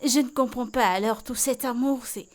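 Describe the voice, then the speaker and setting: Vicky, an outspoken friend caring for a woman who was beaten, is voiced by a woman in a French film dub; she speaks bluntly and insists by repeating herself. The delivery is at a moderate pace, with a voice on the high side that sounds close to everyday speech.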